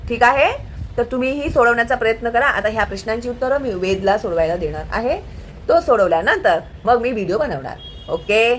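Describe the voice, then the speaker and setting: A woman teaching a children's lesson, speaking slowly and patiently and checking often that the listener follows. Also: on the high side, a bit bright, slight background noise. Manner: patient, slow and singsong, checking understanding often. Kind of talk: Marathi lesson for young children.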